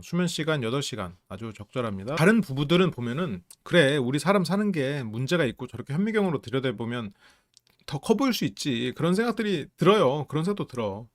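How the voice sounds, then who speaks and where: Man, casual commentary, lively pitch, dry close sound. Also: no room sound. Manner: animated, acts out quoted lines in raised voices. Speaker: psychology channel host reviewing a reality show.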